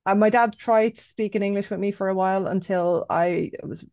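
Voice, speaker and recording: A woman's voice: mid-range voice, steady tone, fairly quick, darkish tone, dry recording, highs cut off. A woman in her thirties from the Netherlands with an Irish accent and Dutch as her first language, talking as a guest on a video call outdoors, hesitant with many ums. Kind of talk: casual interview over video call. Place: outdoors by trees.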